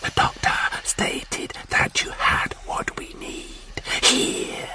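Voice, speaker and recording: A man voicing an arrogant, menacing Martian warlord in a slow, raspy, hissing whisper. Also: sharp tone.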